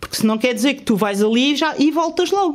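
With a European Portuguese accent, a woman talks in an animated tone with very wide pitch swings. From Portugal. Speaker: cycle traveller. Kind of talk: casual interview.

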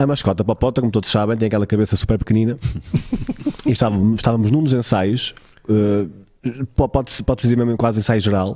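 A man with a fairly low pitch and a dark, mellow tone talks at a very fast pace with long, frequent pauses, very even loudness and fairly even intonation. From Portugal, Porto. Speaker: comedian and podcaster. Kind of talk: casual chat. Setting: studio with audience.

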